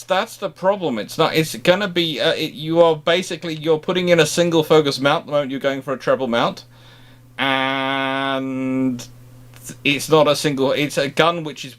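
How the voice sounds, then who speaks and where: A man's voice: mid-range voice, a bit bright. A man giving expert commentary in a naval history discussion, often reworking his phrases as he goes.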